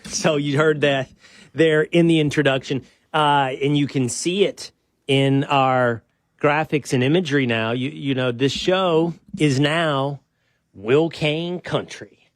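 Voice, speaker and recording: Relaxed, rambling male show host. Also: fairly high pitch, takes it slowly, no room sound, clean studio sound. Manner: relaxed and rambling, with frequent restarts and self-deprecating asides. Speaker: podcast host. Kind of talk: casual show-opening chat.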